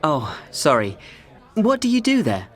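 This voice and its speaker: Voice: mid-range voice, huge pitch swings, unhurried, husky, full character voice. A speaker voicing a sing-song friendly questioner. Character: friendly questioner meeting new people. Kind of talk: scripted practice dialogue.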